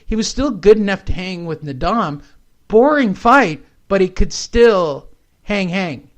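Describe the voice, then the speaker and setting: A man's voice: high voice, animated, a little slow. A man hosting a casual podcast chat who rambles and cracks jokes. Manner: rambling, wisecracking. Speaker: podcast host.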